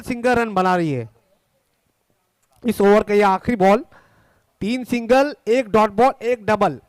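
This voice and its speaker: High-pitched Indian man commentating on cricket, excited. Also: dry recording. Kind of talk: live ball-by-ball cricket commentary.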